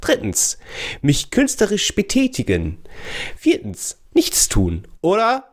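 A man's voice: high voice, wildly swooping pitch, slow pace. A man co-hosting a casual podcast, playfully reading quiz questions with theatrical flair. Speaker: podcast co-host, quizmaster.

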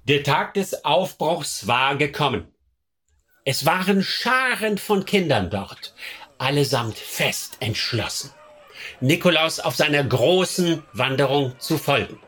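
A man's voice: on the high side, lively intonation, slow pace, fairly bright tone, breathy edge, full character voice. A man playing a devout crusade follower who recalls the march in solemn, rhetorical radio drama narration.

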